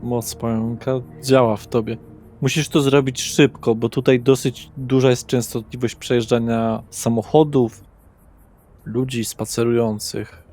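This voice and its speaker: A man's voice: mid-range voice, level tone, measured pace, dark tone, soft background music. A man acting as game master, narrating and refereeing a tabletop horror role-playing session.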